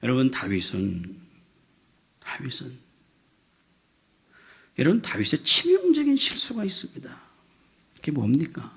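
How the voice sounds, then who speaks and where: A man in his fifties, a pastor preaching a sermon, telling a story with voiced quotes and building to loud, emphatic peaks. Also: mid-range voice, measured pace, gravelly, long pauses, slightly rough. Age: 50s. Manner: storytelling with animated voiced quotes, rising to shouts.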